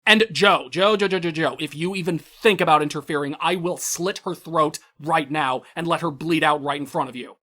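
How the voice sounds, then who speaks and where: A man's voice: on the high side, moderate pace, few pauses, pushed and bright. A man playing a cruel, theatrical crime boss in an audio drama, mock-courteous and condescending with menacing outbursts.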